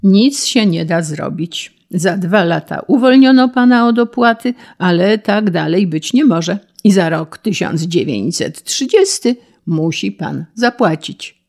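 A woman's voice: on the low side, expressive, unhurried, creaky, a little mellow, exaggerated voice. A woman voicing a stern male city official who answers curtly and officiously in a storybook reading. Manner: curt, officious.

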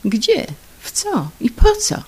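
A woman's voice: mid-range voice, drawn-out words, a little mellow, husky, exaggerated voice. A woman voicing a boastful, tipsy middle-aged husband who blusters over drinks but turns meek and stammering before his wife.

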